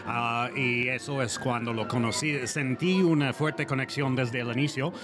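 A man from Indiana, a violin soloist answering interview questions in earnest, slightly halting phrasing. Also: mid-range voice, music in the background. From Indiana, United States.

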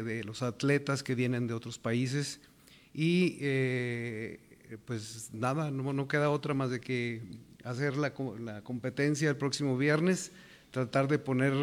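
A man, an athlete giving a formal, courteous and halting thank-you speech at a press conference. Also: medium pitch.

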